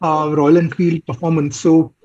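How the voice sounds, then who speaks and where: A man speaking as a financial analyst, haltingly asking questions on an earnings conference call. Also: a little high, little pitch movement, darkish tone, highs cut off.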